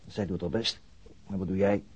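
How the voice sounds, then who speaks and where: An actor playing a brooding, stubborn police detective in a radio drama, terse and grave, with a husky voice. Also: male voice, low voice, steady tone, moderate pace, a little mellow, a little hiss or hum, lightly acted. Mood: muttering self-reproach. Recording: dull, muffled lo-fi audio.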